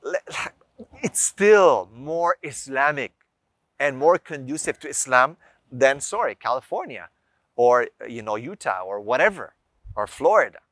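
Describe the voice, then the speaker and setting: A man speaks in a mid-pitched voice, recorded close and dry. He lectures informally to viewers like a teacher of faith and family matters, stressing his points and posing rhetorical questions. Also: expressive, measured pace, a bit bright, no room sound. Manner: didactic, emphatic, rhetorical questions and listed examples. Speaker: speaker giving religious and parenting advice.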